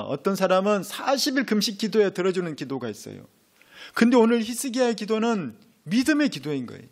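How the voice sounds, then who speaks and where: A male pastor preaching a sermon, animated, acting out prayers in quoted voices. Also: sits high.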